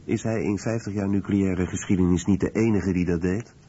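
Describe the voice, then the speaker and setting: A man reading a scripted documentary voice-over in a measured, serious way. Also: low voice, steady tone, warm tone, highs cut off, a little hiss or hum.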